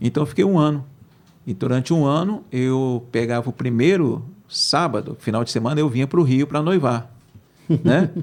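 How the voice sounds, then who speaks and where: Medium pitch from a male speaker, ordinary pitch variation, moderate pace. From Brazil, Espírito Santo (Vitória). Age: 50s. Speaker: pastor. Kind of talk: casual chat.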